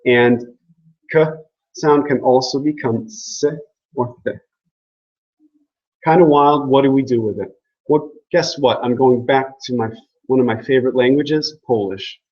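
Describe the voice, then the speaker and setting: Man, classroom language teacher, husky voice, chatty and joking, slightly dull lo-fi recording. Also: medium pitch, measured pace, pauses often, a little mellow. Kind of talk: classroom lecture.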